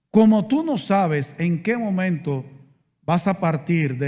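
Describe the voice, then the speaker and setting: With a Dominican accent, this somewhat breathy voice has a dark, mellow tone and lively intonation in a very clean recording with a silent background. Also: man. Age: 60s. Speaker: pastor. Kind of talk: sermon. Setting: church.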